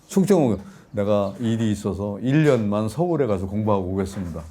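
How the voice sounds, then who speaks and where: A man in his sixties, a professor being interviewed, telling lively anecdotes and acting out quotes with laughter. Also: lowish voice, brisk. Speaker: professor guest. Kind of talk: conversational interview storytelling.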